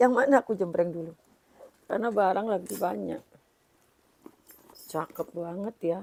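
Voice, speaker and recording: A woman with vocal fry talks at a moderate pace and a medium pitch, with ordinary pitch variation. Her loudness swings a lot, and she leaves long, frequent pauses. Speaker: online seller of used branded bags. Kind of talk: product unboxing sales video. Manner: casual, chatty.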